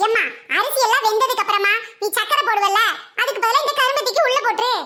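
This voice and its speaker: A woman voicing a cheeky young village daughter who answers back with sassy quick comebacks, in a cartoon comedy. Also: extremely high pitch, sharp tone, pitched above the performer's own voice.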